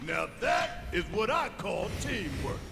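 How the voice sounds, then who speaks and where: An actor playing a brash, burly male gunner with a gravelly voice, shouting battle taunts in a video game. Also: sits high, sing-song, a little slow, very noisy, exaggerated voice. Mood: fired up. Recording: under loud game music and effects.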